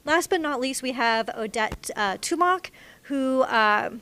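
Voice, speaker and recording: A woman, presenting off the cuff on camera with frequent hesitant pauses. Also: high voice, animated, bright, forceful tone, clean tone. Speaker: exhibit presenter. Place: large indoor exhibition room. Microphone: handheld microphone.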